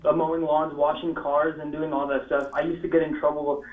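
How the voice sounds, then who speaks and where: A young man of about twenty from Estonia calls into a show over a thin, tinny phone line. He speaks a little high for a man and hesitates often, with plenty of fillers. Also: little pitch movement, a little fast, echoey room. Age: around 20. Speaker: caller. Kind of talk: phone call to a talk show.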